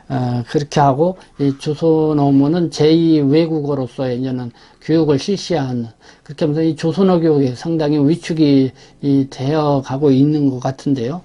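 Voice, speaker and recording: A man hosting a news briefing, going through stories in an explanatory, halting way and often correcting himself. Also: a little high, dark tone. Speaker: host presenting a community newspaper's issue. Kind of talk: semi-scripted spoken news briefing, page by page.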